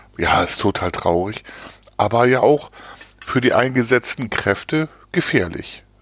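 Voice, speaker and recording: Delivered at a fairly slow pace with long, frequent pauses, the speech has lively intonation and very even loudness. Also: man, medium pitch for a man. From Schleswig-Holstein, northern Germany. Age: 50s. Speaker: podcast co-host. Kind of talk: casual chat.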